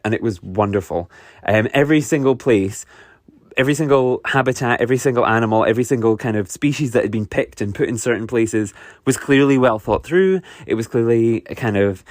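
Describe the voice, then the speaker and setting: A Scottish man hosts a solo podcast in an eager, meandering way, circling back on himself with ums and restarts. His voice sits at an ordinary middle pitch. It is recorded close and dry, with almost no room sound. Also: no room sound. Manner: enthusiastic, rambling, many fillers and restarts. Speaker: podcast host. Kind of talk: casual solo podcast recap.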